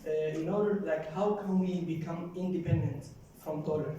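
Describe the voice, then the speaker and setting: A young man from Somalia asking long, halting questions at a forum Q&A, often repeating and rephrasing himself. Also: on the high side, fairly even intonation, mellow, distant mic, a little hiss or hum. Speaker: audience member asking questions. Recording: roomy hall, speaker off mic.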